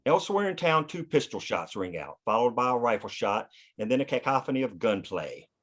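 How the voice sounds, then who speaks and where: A man's voice: mid-range voice, big pitch swings, brisk. Man reading screenplay stage directions. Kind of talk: scripted narration at a screenplay table read.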